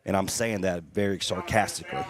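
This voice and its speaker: Low-voiced, chatty radio color man. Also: crowd noise. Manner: casual, chatty, drawn-out fillers. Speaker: color commentator. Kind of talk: radio baseball color commentary. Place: press box at a ballpark.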